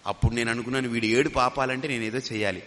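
A man's voice: mid-range voice, fairly even intonation, racing, a bit bright. A man teaching as a swami in a spiritual discourse, telling stories and acting out what people said, mixing in English phrases. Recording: long hall reverb.

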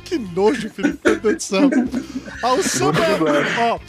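A man's voice: high-pitched, very animated, unhurried, over loud music. A man hosting a casual live podcast from home, joking and teasing as he reads out donations. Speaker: podcast host reading superchats. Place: home, remote live call.

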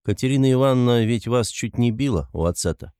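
A man's voice: medium pitch, expressive, brisk, warm tone, smooth, no room sound, studio quality, natural voice. A man reading an audiobook, voicing a gloomy, brooding young man who speaks in an abrupt, sullen way.

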